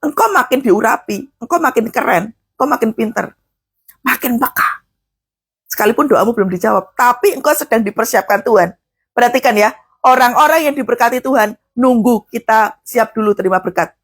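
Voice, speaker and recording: A woman's voice: on the high side, fairly quick, husky. A woman preaching a sermon, exhorting her listeners fervently in a colloquial way.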